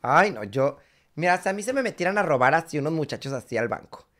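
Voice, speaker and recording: A man's voice: fairly high pitch, big pitch swings, fast talker, over music. A man with a Mexican Spanish accent hosting a live reaction video, talking in a flamboyant, campy, exclamatory way.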